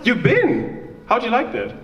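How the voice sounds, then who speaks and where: A man's voice: very high-pitched, huge pitch swings, measured pace, roomy sound, far from the mic, lo-fi sound. A young man from Germany with a German accent, doing a chatty, self-mocking stand-up set and bantering with the crowd. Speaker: stand-up comedian. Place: small live venue with audience.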